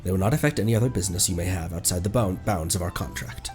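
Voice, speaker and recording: A man's voice: low-pitched, quick pace. A man livestreaming a game, playful and theatrical, reacting and reading dialogue aloud. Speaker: streamer. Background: faint game music.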